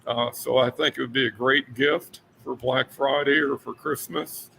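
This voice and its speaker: An older man from Florida talks as a guest on a show. His voice is gravelly and bright, and he speaks earnestly and unhurriedly, with many fillers. A faint hiss of noise sits behind him. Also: mid-range voice, fairly even intonation, normal speed, low-quality recording. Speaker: guest author. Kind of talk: casual interview chat.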